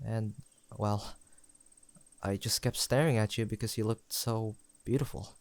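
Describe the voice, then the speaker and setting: A man's voice: fairly low pitch, no room sound. A young man playing a tender, teasing best friend turned lover in an intimate romantic audio roleplay, speaking in a hesitant, conversational way. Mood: tender, reflective. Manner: conversational, hesitant, halting delivery with sighs and soft chuckles.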